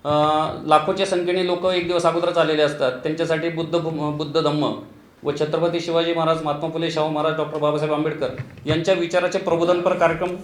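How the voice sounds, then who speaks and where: A man with a fairly high voice gives a halting statement for a news interview, pausing often on fillers as he runs through long lists. He is heard in a roomy, echoing space with a faint hum of ambient noise behind him. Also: flat delivery. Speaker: local committee president.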